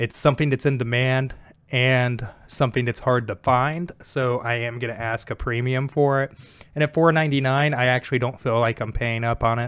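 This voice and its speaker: The speaker talks at a fairly quick pace with fairly even intonation on a very clean recording with a silent background. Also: man. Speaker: thrift store reseller vlogger. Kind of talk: casual vlog narration. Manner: fast.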